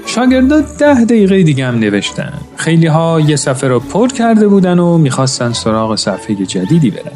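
A man narrating a story in a calm, measured way, now and then addressing his listeners as friends. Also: a little high, soft background music. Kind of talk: scripted narration.

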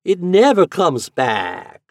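Man doing a sly old landlady, slow high drawl, loud, sing-song. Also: huge pitch swings, dry recording, studio quality, full character voice.

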